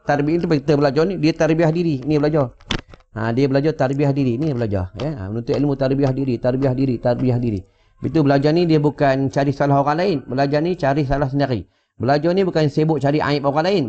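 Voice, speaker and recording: A man's voice: medium pitch, warm tone. A man giving a sermon with humorous asides, often asking if listeners understand, recorded indoors at home on a wireless lapel mic. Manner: rhetorical, keeps checking listeners follow. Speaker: religious teacher. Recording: dull lo-fi sound.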